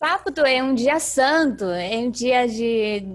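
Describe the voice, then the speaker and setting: A woman talks in a high pitch with lively intonation. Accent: non-native. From China. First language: Chinese (speaking Portuguese). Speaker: pastor's wife. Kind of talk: testimony. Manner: halting, many fillers.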